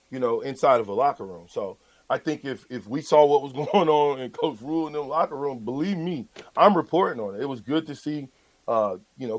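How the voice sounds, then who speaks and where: A sports talk show host with a fairly high-pitched voice argues in a heated, emphatic, confrontational way, repeating phrases for stress. The recording is dry and rough.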